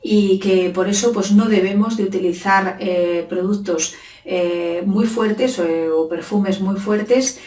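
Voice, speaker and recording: A middle-aged woman giving an unscripted video lesson on communication, pausing often with filler sounds. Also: medium pitch, steady tone, darkish tone, distant mic. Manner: hesitant, many filler sounds. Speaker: communication trainer. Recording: roomy echo, set back from the mic.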